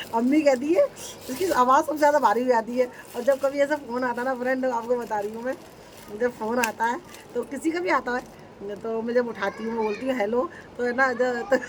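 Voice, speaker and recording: A woman speaks at a moderate pace with a high pitch and ordinary pitch variation. Long, frequent pauses break up her speech. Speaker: vlogger. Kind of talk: vlog.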